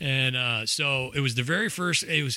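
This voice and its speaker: In a plain, everyday voice, a man with an American accent speaks at a medium pitch with ordinary pitch variation. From Nebraska. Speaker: rock radio host and former bartender. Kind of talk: casual chat.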